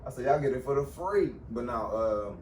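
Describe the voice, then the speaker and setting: A man with a hoarse, worn-out voice, chatting loosely among friends on a podcast. His speech meanders and is packed with slang and swearing. It was captured in an echoey room from some distance, with faint noise behind. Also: medium pitch, animated, normal speed, darkish tone. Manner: laid-back, rambling, heavy slang and profanity. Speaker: podcast co-host and stand-up comic. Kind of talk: casual chat.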